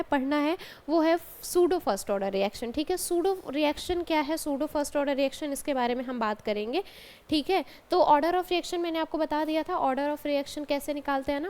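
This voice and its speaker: A woman's voice: sits high, darkish tone. A woman, a college chemistry lecturer, teaching a class step by step and checking in with her students as she goes. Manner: explains step by step, often adds "ठीक है" and calls students "बेटा".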